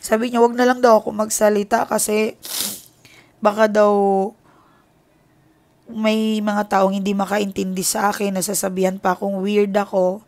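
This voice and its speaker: A Filipina tarot reader talks straight to her viewers in a candid, confiding voice. Her pitch sits in a middle range, and she strings her story together with many filler connectors. The delivery is casual and unscripted. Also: little pitch movement, normal speed, long pauses, a little mellow.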